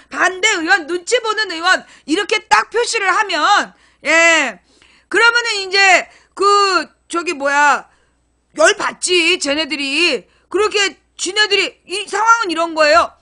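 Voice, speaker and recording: A woman's voice: very high voice, bright, forceful tone. A middle-aged woman hosting a casual political livestream, talking animatedly with many fillers and acting out quoted lines.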